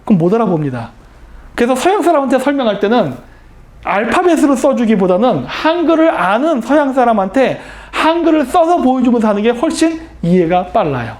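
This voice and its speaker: Lively lecturing man. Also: very high voice, moderate pace. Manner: rhetorical questions answered himself; explanatory, emphatic. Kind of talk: history lecture.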